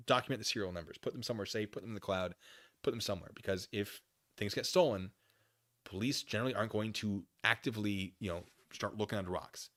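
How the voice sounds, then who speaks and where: A man hosting a live stream, reading documents aloud and commenting casually with conversational, animated asides. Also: mid-range voice. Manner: conversational, animated asides, acts out imagined dialogue.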